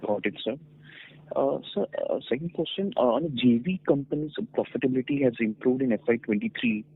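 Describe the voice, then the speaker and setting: A man's voice: mid-range voice, brisk, slightly rough. A man asking questions on a conference call over a phone line, polite and hesitant, with many fillers.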